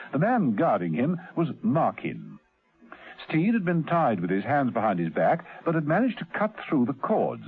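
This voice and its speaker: A man's voice: mid-range voice, breathy edge, heavily acted. A man giving scripted dramatic narration for a radio serial. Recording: muffled old radio recording, faint music.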